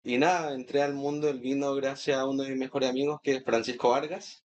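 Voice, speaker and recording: A man's voice: medium pitch, level tone, a little fast, darkish tone, highs cut off. A Chilean man in his thirties talking casually as a guest sommelier in an interview. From Chile, grew up in Santiago. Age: 30s.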